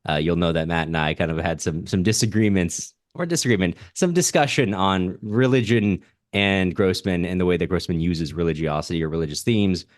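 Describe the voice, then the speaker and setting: Hosting a podcast, a low-voiced man alternates between reading comments aloud and giving measured, reflective commentary. The sound is close and dry, with no echo.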